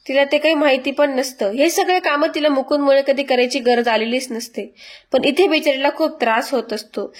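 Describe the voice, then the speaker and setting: A woman narrating a family drama episode recap in a sympathetic storytelling voice-over. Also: high-pitched.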